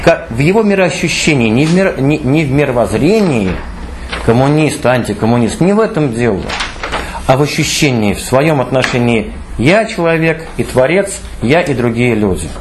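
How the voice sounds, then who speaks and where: A man's voice: expressive, normal speed, slight background noise. Middle-aged man giving an emphatic speech. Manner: emphatic, repeats phrases, pitch climbs when urging. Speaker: speaker at a political meeting. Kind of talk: impromptu public speech.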